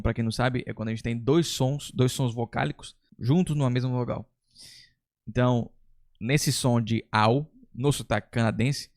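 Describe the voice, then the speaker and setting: A man who teaches English, talking through a ranking in a relaxed, chatty way with occasional slang. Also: medium pitch, no room sound, clean studio sound. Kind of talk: casual tier-list commentary.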